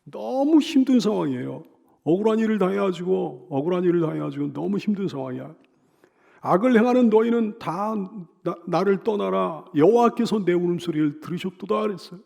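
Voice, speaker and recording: A middle-aged male pastor preaching a sermon, swinging from loud emphatic cries to soft hushed lines, with repeated pleading phrases. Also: sits high, animated, fairly quick, vocal fry. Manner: leads the congregation in call-and-repeat.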